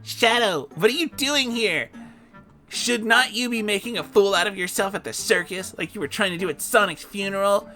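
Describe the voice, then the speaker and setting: A man's falsetto take on a prim young cartoon animal girl, pitched well up and bright. She sounds indignant and scolding, in a comic storybook reading with music underneath. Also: normal speed. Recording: music playing behind.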